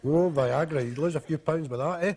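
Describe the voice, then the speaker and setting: A man in a comedy sketch, talking in a deadpan, matter-of-fact way. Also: a little high, brisk, husky.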